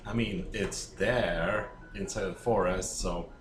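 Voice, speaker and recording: A man's voice: sits low, steady tone, slow. A man playing a tabletop game, talking casually with the group about what to do. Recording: echoey room with faint background noise.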